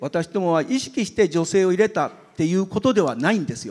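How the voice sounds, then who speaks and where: High-pitched male speech over a quiet background. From Japan, Kyoto; Japan. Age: 70s. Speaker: company founder and chairman; presenter. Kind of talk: seminar presentation. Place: hall. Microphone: handheld.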